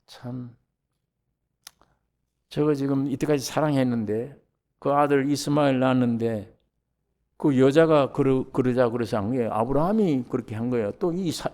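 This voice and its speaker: Middle-aged man, pastor giving a sermon; lively, acts out quotes, mid pitch. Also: normal speed, pauses often. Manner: animated preaching, acting out quoted voices with rising pitch and volume.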